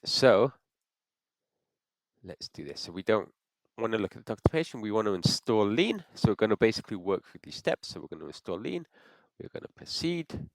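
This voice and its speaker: Low-voiced guy with a stuffy cold doing a screen tutorial, lots of ups and downs in his voice, stops and restarts, dry close mic. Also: gravelly, no echo. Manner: thinks aloud with frequent restarts. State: congested from a cold. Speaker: software tutorial presenter. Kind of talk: screen-recorded how-to walkthrough.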